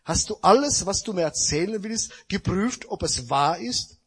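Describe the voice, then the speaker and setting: A patient old sage speaks in slow, measured phrases, calmly questioning a younger man, as a preacher puts him on in a sermon. The voice is husky and sits lower than his usual high pitch. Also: big-room sound. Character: calm wise old male philosopher, patient teacher.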